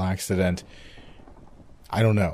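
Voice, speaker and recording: A man speaks with an American accent at a fairly quick pace. His tone is dark and mellow. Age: 20s. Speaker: scary story channel host. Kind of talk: casual storytelling commentary.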